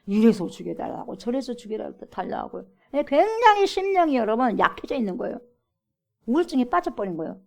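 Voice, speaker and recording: A woman's voice: a little high, sing-song, a little fast, creaky, a little mellow. A woman pastor delivers an emphatic sermon in a church. She keeps calling out to her congregation and drives her points home with direct questions. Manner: emphatic, repeatedly addresses the congregation as 여러분. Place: church sanctuary.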